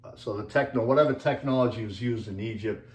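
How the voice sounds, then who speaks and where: A man with a Boston accent rambling through a casual monologue, halting often with fillers as he talks over slides. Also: medium pitch, echoey room, a little hiss or hum. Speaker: video creator and author.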